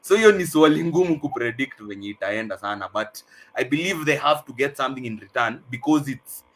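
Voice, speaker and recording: A man's voice: medium pitch, expressive, brisk, fairly bright tone, rough recording. A man with a Kenyan accent giving casual football analysis, hesitant and repeating words as he switches between two languages. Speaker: football pundit. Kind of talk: casual unscripted analysis, mixing English and Swahili.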